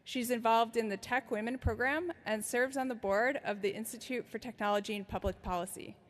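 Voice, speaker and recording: A woman with a fairly high voice introduces the next speaker at a conference, reading a prepared bio in a steady, formal way. Her voice rings with the long reverb of a large hall. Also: fairly quick. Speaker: session chair introducing a speaker.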